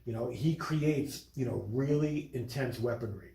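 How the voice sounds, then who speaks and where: A man's voice: medium pitch, normal speed, creaky, dark tone, a little hiss or hum. A man hosting a casual film discussion, speaking in an emphatic, opinionated way. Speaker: podcast host reviewing films. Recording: roomy echo.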